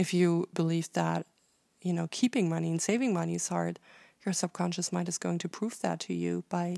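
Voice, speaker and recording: A woman with a German accent is heard in a very clean recording with a silent background and a dry, close sound with no echo. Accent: German accent, trouble with th sounds. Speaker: podcast host, spiritual life coach. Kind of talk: solo podcast monologue. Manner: frequent fillers (um).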